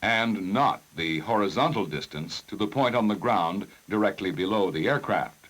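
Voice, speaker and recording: Male narrator for vintage 1960s technical training film; lowish pitch, lively inflection, measured formal delivery, careful enunciation. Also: rough recording.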